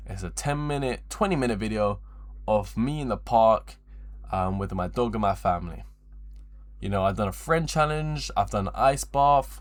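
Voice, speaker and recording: A twenty-year-old man chatting casually on a livestream in a rambling, slangy, repetitive way, with frequent swearing. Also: mid-range voice. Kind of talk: casual livestream chat to viewers.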